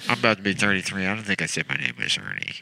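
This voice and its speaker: A man's voice: deep voice, sing-song, racing, gravelly, background noise, exaggerated voice. A man playing a burned-out gloomy caller. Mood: deadpan. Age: 30s. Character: burned-out gloomy male caller in his thirties. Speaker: prank caller.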